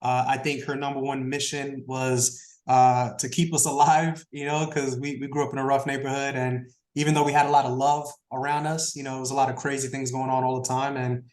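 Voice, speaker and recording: A man, a Spanish speaker, talking as an interview guest in a relaxed, rambling way full of fillers. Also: medium pitch, fairly quick, few pauses, roomy sound. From Brooklyn, New York. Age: 30s. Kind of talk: casual interview talk.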